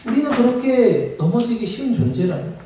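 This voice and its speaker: A man's voice: extremely high pitch, sing-song, fast, mellow, a little hiss or hum. A man preaching a sermon as pastor, calling out to the congregation and rising to emphatic peaks. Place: church sanctuary. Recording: echoey sanctuary, mic at a distance.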